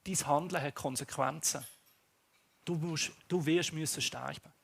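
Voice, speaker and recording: A grave, stern prophet, as a Swiss preacher puts him on, warning in a lower, quieter voice. It is part of a live sermon retelling. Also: male voice, unhurried, gravelly, breathy edge, full character voice.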